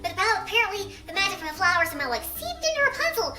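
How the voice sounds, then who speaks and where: High, squeaky helium-voiced woman, excitable storyteller. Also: racing. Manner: excitable, girlish storytelling full of "like". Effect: squeaky helium-altered voice. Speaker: video host. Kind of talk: casual, rambling movie retelling for a challenge video. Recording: echoey room.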